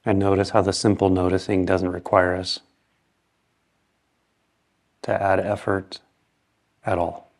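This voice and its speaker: A man leading a guided meditation, speaking calmly in short phrases with long pauses. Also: sits low.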